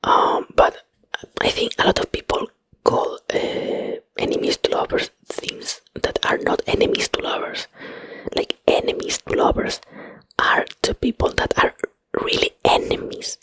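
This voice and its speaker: Female ASMR host, Spanish accent, native Spanish speaker. Breathy whisper, dry and close-miked, hesitant casual rambling. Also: measured pace, fairly bright tone, no echo, poor audio. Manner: hesitant, rambling, searching for English words. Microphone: close microphone.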